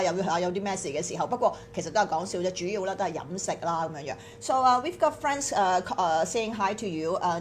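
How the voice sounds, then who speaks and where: Female livestream interviewer, Hong Kong accent, native Cantonese, average pitch, casual delivery, faint noise behind. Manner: informal, switches between languages. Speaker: interview show host. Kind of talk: conversational bilingual livestream hosting.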